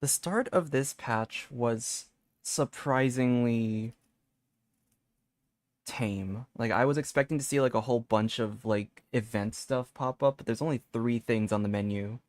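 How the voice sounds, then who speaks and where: A man's voice: mid-range voice, measured pace, no room sound. A man livestreaming a game, chatting casually and reading bits of on-screen text aloud. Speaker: game streamer. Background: soft game music.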